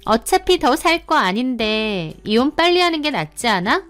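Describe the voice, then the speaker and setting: A woman voicing a shameless young woman who pushes the narrator calmly and boldly. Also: sits high, moderate pace, soft background music, pitched above the performer's own voice. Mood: brazen. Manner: cool, shameless, pushy.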